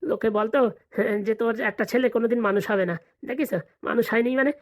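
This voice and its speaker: A woman's voice: on the high side, steady tone, lightly acted. A woman voicing a scheming, money-hungry village father in a comedy cartoon, scolding and bantering. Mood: scheming, pleased. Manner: rapid, colloquial, bantering scolding.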